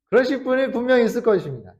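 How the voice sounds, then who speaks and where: High-voiced man preaching a story. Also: muffled recording. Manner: storytelling with acted quotes, shifting from loud to hushed. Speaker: Salvation Army officer preaching. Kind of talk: sermon.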